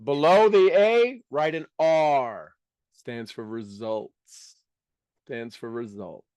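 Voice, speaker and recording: A man's voice: medium pitch, slow pace, darkish tone, smooth, dry recording, highs cut off. A man teaching a live motivational workshop to an audience, speaking emphatically, repeating key words and dropping casual asides.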